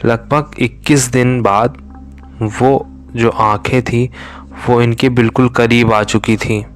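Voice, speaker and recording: A man slowly telling a true horror story, his voice sinking to a whisper at tense moments. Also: medium pitch, fairly even intonation. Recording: faint music behind.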